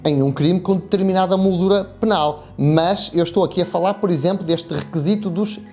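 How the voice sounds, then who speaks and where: A woman, an immigration lawyer giving a measured explainer that poses rhetorical questions. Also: on the low side, mellow, soft background music. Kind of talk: explanatory legal video.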